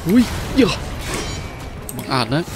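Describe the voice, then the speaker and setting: A man doing gameplay commentary, full of exclamations and interjections as he reacts to play. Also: slow pace. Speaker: video game streamer. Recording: game music behind the voice. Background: video game music and effects.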